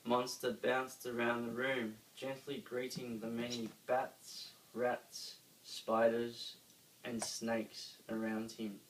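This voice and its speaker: Slow-paced Australian man reading a children's story. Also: medium pitch, level tone. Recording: roomy, distant mic, faint noise.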